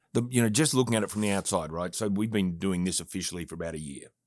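In a very clean recording over a silent background, a man speaks with an Australian accent and lively intonation. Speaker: bourbon distillery owner. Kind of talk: casual chat. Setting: at the distillery.

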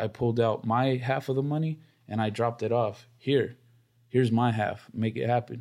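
A man speaks in a normal speaking voice at a medium pitch and moderate pace, with fairly even intonation, on a very clean recording with a silent background. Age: 30s. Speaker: business owner. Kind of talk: casual chat.

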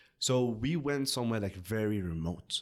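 A man talks at a moderate pace. He has a slight British accent. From Morocco. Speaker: medical student and sportsman. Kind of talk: casual interview, storytelling.

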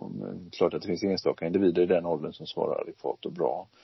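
A man is speaking. His pace is moderate. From Sweden, Gothenburg. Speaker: infectious disease physician. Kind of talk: interview. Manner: halting.

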